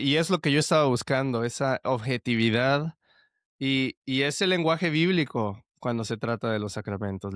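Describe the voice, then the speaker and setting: A man's voice: mid-range voice, a bit bright, no room sound, studio quality. A young man telling his story as a podcast guest, earnest and full of restarts. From El Salvador. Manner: earnest, with frequent restarts and fillers like "este". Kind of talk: conversational testimony.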